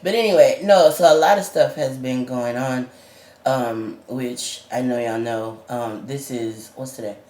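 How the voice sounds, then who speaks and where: A man's voice: mid-range voice, measured pace, darkish tone, echoey room, a little hiss or hum. A trans man vlogging in casual chat. He uses a lot of fillers and laughs often, and his voice is going up and down and sometimes cracks.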